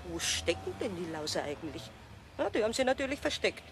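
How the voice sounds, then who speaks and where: A woman's voice: on the low side, big pitch swings, fast talker. A woman playing an indignant, grumpy older lady, scolding huffily in a children's audio drama. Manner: scolding, huffy. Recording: faint noise on old cassette.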